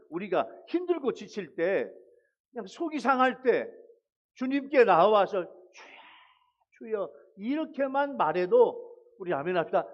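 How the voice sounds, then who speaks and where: Male pastor, high voice, exhorting sermon delivery with repeated phrases, dull recording. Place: church sanctuary.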